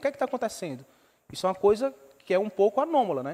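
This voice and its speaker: A man's lively intonation comes across on a very clean recording against a silent background. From Brazil, Northeast (Mossoró, Rio Grande do Norte). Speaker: researcher presenting at a workshop. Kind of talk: technical presentation. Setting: auditorium with audience.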